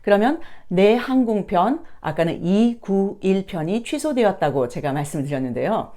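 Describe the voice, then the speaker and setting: A woman's voice: mid-range voice, animated, normal speed, mellow. A woman giving an instructional lesson as a teacher and host, politely explaining and carefully pronouncing example phrases. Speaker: English teacher and video host.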